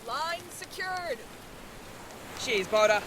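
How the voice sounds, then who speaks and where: A woman's voice: high-pitched, lively intonation, takes it slowly, background noise. A woman playing a hearty sailor at work in a maritime audio drama. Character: hearty seafaring sailor hauling lines. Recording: outdoor scene, loud water and rain ambience.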